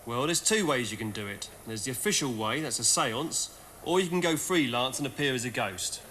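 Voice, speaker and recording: A man performing in a sketch comedy, with a dry, deadpan delivery that can grow into an indignant rant. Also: medium pitch, a little fast, a little hiss or hum.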